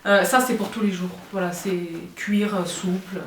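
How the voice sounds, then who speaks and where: French woman, young, fashion vlogger, chatty, talks to her viewers, mid pitch, roomy sound, off-mic. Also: normal speed, slight background noise. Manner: chatty and expressive, addresses viewers as girls. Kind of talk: casual haul chat to viewers. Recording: roomy, a bit far from the mic.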